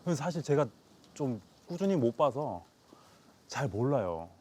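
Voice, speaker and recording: A man in his late thirties, a dating show contestant, chatting and giving remarks to camera in a polite, formal, halting way. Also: medium pitch, sing-song, darkish tone, husky. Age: late 30s. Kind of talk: casual chat and confessional remarks to camera.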